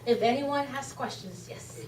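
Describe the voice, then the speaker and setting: Speaking at a measured pace in a high voice, a Spanish-native charity speaker presents to a club, earnest and impassioned, with repeated phrases. Heavy background noise surrounds her, and the recording is distant and echoey in a meeting room.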